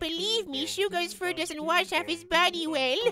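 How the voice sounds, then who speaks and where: This is a put-on character voice. Its tone is whiny. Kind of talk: comic overacting. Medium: fan dub. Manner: whiny, indignant, childish ranting.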